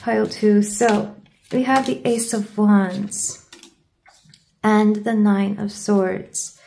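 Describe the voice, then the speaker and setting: A tarot reader gives a card reading to her viewers, stumbling over her words and sounding congested from a sore throat. Her mid-range voice is warm and flat, slow-paced with vocal fry, and the audio carries a little hiss or hum.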